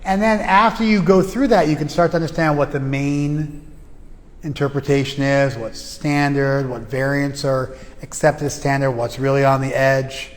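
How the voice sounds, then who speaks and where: A man's voice: medium pitch, fairly even intonation, normal speed. Casual lecturing man in a reverberant hall. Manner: casual, conversational, joking asides. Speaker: spiritual teacher. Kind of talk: informal class lecture. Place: class venue with reverb.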